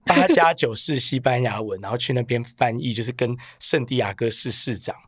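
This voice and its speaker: A man's voice: medium pitch, moderate pace, fairly bright tone, dry recording, studio quality. A man with a Taiwanese accent speaking as a podcast guest, telling stories casually in a colloquial, self-deprecating way. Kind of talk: casual conversational storytelling.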